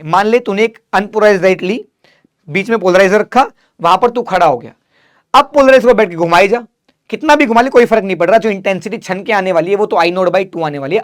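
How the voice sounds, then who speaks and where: Hindi-speaking male physics teacher. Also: sits high. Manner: asks students questions then answers them; calls students "beta", casual and direct. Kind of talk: exam revision lecture.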